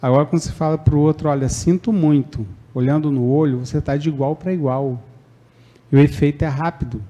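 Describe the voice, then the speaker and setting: Brazilian male lecturer in his thirties, conversational sermon style, slightly high, mellow tone. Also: fairly even intonation, quick pace. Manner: conversational, acts out quoted lines, frequent "né?" tags. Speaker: spiritist lecturer. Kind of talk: public talk on forgiveness. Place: spiritist centre lecture hall.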